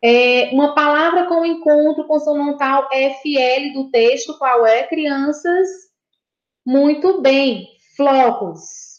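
High-voiced teacher speaking slowly to children. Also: female voice. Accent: Brazilian Portuguese. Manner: slow, patient, repeats and praises children. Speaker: primary school teacher. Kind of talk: recorded video lesson for children. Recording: dull, echoey room.

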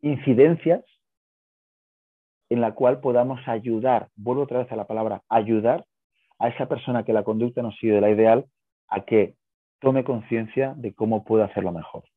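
A guest who co-founded a pet business speaks over a video call that sounds thin, like a phone. His husky, fairly low voice carries no room sound as he explains conversationally at a moderate pace, often pausing to check understanding with brief questions.

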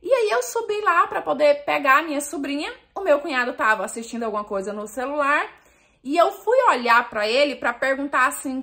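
A young woman with a high voice tells a personal story straight to her listeners. She sounds emotional and confiding, as if sharing something painful with friends. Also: pushed and bright.

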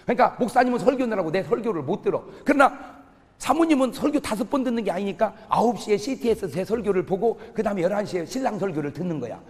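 A man preaching a humorous revival sermon, telling stories with animated delivery and acting out the voices of the people in them. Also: sits high, quick pace. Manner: shouting punchlines to the congregation. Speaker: pastor. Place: church hall with congregation. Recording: long hall reverb.

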